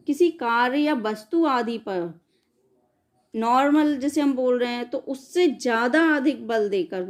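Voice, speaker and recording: A woman teacher giving an exam-prep lecture, explaining step by step and answering her own questions. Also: on the high side.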